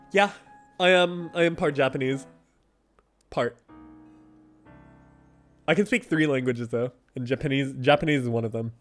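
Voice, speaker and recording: A man's voice: medium pitch, a little slow, long pauses, faint music behind. A young man chatting casually with viewers on a game livestream, laughing often and filling his talk with "like". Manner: animated, laughs often, heavy use of "like". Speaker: game streamer.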